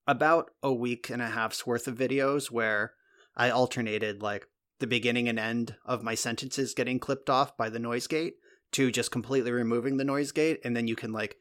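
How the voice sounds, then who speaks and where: A podcast co-host with a mid-range, fairly bright voice tells a rambling story in casual chat, swearing now and then. He's recorded on a podcast mic in a converted guest bedroom at home.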